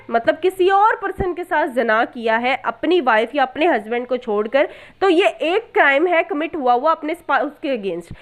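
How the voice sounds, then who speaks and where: A woman with a distinctly high-pitched voice and a South Asian accent teaches law in lecture style. She explains point by point, poses questions and then answers them, and switches into English for technical terms. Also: a bit bright. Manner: explains step by step with rhetorical questions and examples; code-switches between Hindi-Urdu and English terms. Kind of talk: explanatory lecture on statute articles.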